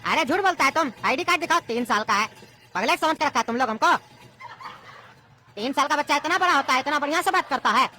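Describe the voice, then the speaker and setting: A suspicious, scolding train ticket checker man, voiced by a woman. He speaks fast in a bright, raised voice and disbelieves everyone. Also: sits high, expressive. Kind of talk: cartoon comedy voice acting.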